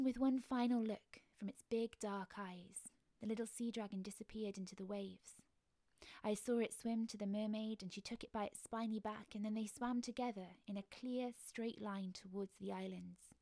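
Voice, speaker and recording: Gently hushed woman telling a bedtime story. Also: medium pitch, creaky, no echo, clean studio sound. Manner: soft and gentle, often dropping to a hushed whisper.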